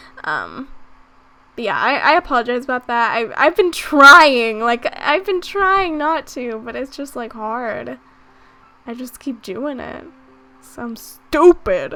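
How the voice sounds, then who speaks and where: A woman speaks very slowly in a raised, projected voice, high-pitched with a bright, sharp tone, lively intonation and big swings in loudness. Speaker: gaming video creator. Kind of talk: casual game commentary. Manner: low energy.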